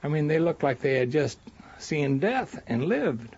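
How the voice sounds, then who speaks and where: A man's voice: on the high side, very animated, unhurried, darkish tone, breathy edge, lo-fi sound. An older man with an American accent, a war veteran telling anecdotes in an interview.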